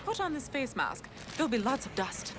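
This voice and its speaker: An actress playing a brash, theatrical company manager who relishes demolition, in a children's radio drama. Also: female voice, high voice, big pitch swings, a little fast, music in the background. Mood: breezy, bossy. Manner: theatrical, breezy, bossy. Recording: noisy demolition site sound effects. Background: machinery and demolition sound effects.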